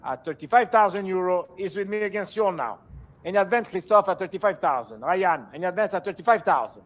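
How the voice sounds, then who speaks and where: Male auctioneer, notably high voice. Formal lot presentations, steady repeated bid calls to a live sale. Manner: auctioneer delivery, repetitive, measured bid calls.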